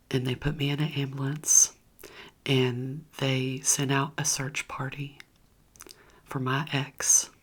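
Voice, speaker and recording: A woman's voice: extremely low pitch, husky. A woman whispering a candid personal story straight to her viewers in a chatty, conversational way. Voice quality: whispering throughout.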